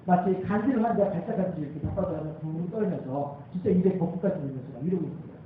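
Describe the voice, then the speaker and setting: A man preaching a sermon as pastor, telling a personal story with animated delivery and emphatic calls to the congregation. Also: high-pitched, rapid-fire, slight background noise. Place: church sanctuary. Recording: tinny, very echoey hall, voice from far off.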